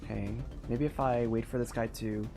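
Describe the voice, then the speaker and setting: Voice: mid-range voice, steady tone, normal speed, vocal fry, over music. A streamer giving casual, offhand commentary while playing a video game.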